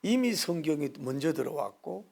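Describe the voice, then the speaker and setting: A man's voice: a little high, big pitch swings, normal speed, gravelly, a little mellow. A middle-aged man preaching a sermon lecture as pastor, folksy in manner. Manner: folksy, mimics regional dialects for humor.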